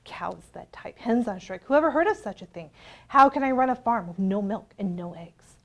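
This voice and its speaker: A woman voicing an exasperated male farmer in a picture book read-aloud, talking in a quick, indignant rush. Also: a little high, animated, natural voice.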